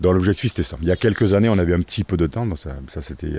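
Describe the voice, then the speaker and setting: A man's very deep, low voice, very fast pace, ordinary pitch variation, noticeable background noise. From France. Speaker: adventure tourism business owner. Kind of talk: interview.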